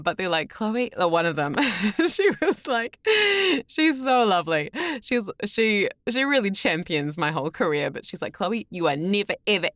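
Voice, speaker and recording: A woman with a New Zealand accent telling stories casually as a podcast guest, animated and quick to act out what people said. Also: mid-range voice, no echo, clean studio sound. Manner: animated storyteller, often acts out quoted remarks. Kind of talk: casual anecdotal interview chat.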